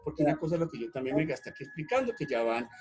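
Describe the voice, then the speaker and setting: A man's voice: a little high, big pitch swings, rapid-fire, darkish tone. A man teaching an online grammar class, stressing key words, repeating himself and checking that the students follow.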